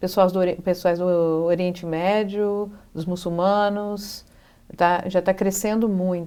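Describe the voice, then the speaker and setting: A woman with a Brazilian accent, medium in pitch, with a dark, mellow tone, fairly even intonation and a very slow pace. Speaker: educational psychologist. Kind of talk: interview.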